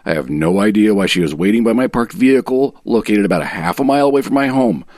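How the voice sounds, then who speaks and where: A man voicing an aggrieved husband in a dramatic reading of a sworn legal statement, measured, formal and self-righteous. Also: fairly low pitch, expressive, darkish tone, no room sound, studio quality.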